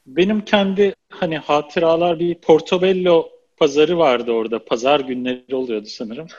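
A man recalling memories in a casual group chat, his voice trailing off softly. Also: on the high side, moderate pace, highs cut off. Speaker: guest.

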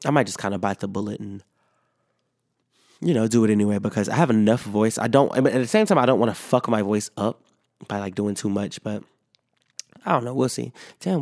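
Guy hosting his solo podcast, gravelly fry, dry close sound, voice still a bit worn from being sick, rambles and swears a lot. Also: medium pitch, a little mellow, no echo. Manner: rambling and candid, with frequent fillers and swearing. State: voice not fully recovered from illness. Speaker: podcast host. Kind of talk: casual solo podcast chat.

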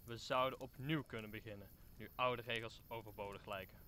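A man's voice: on the low side, fairly even intonation, a little fast, sharp tone, slight background noise. A man playing a talkative, optimistic old counsellor who speaks formally in an audio drama. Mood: idealistic, declaiming. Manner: formal, speechifying. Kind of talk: Dutch audio drama acting of Shakespeare.

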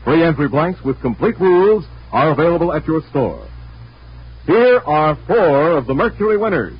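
A man's voice: fairly high pitch, very animated, normal speed, breathy edge, no echo. A man with an American accent delivering scripted ads and sign-offs as a 1940s old-time radio announcer. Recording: muffled vintage radio recording, music behind.

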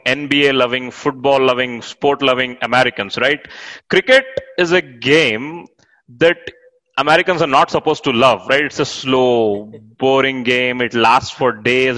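A man's voice: medium pitch, bright, forceful tone, long reverb tail, rough recording. A man hosting a podcast, introducing his guests with enthusiastic, fanboying energy in casual chat. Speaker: podcast host.

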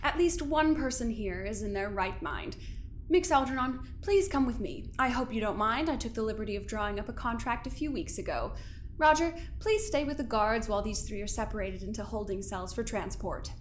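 Woman playing polite but menacing lady villain, kinda high voice, condescending and formal, radio drama style, bit of noise. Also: fairly quick, lightly acted. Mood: pleased, commanding. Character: coolly menacing female captor, falsely courteous, in command. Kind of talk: audio drama acting.

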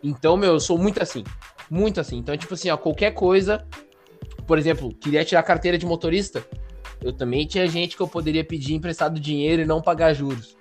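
A man's voice: a little high, quick pace, darkish tone, soft background music. A man from Rio do Sul, chatting casually as a podcast co-host in a slangy, rambling way with many fillers. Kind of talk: casual chat.

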